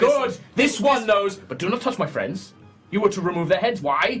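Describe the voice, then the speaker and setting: Over faint music in the background, a man does a put-on character voice, high in pitch, at a moderate pace. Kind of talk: comic overacting. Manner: pompous, imperious, menacing.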